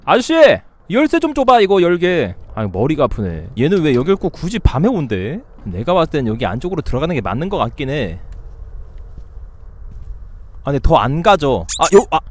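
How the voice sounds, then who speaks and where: A man streaming a horror game, his voice high and swinging wildly up and down. He is jumpy, yelping when startled, and he keeps chattering to himself and his chat. He jokingly taunts the ghosts between frights. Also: very animated, brisk, a little mellow.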